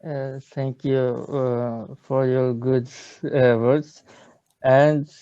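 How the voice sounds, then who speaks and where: A man's voice: mid-range voice, flat delivery, extremely slow, dark tone, clean tone, dry recording, muffled recording. A man with a Turkish accent, a learner of English, talking on a video call and often stopping to search for words. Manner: hesitant, searching for words, many uhs. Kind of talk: casual video-call lesson chat.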